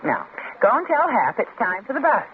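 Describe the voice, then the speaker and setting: A woman's voice: fairly high pitch, sing-song, a little fast. An actress playing a young mother in a 1950s radio drama, who stammers when worried. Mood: scolding gently. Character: anxious young mother, growing frantic. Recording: tinny old radio broadcast with hiss.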